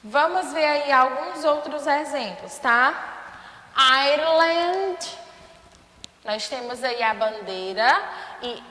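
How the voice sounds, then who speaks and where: A woman with a Brazilian Portuguese accent teaching an English class, slowly repeating each word and checking in with her students. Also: sits high, bright, forceful tone. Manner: slow, repeats words for students, asks checking questions. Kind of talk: remote class lesson. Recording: echoey room with long reverb.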